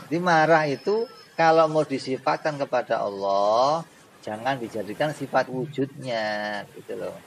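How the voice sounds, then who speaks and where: Casting: male Islamic theology teacher, animated and joking, mid-pitched, faint room ambience. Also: normal speed, creaky, slight background noise, low-quality recording. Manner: animated, rhetorical questions, joking asides. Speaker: religious teacher.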